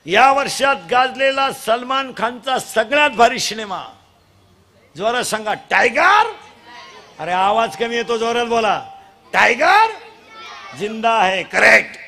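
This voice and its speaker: A man giving a comic kirtan sermon, teasing and quizzing the children in the crowd and demanding loud answers. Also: very high-pitched, moderate pace. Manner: bursts into shouts at times. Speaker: kirtan preacher. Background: audience sounds.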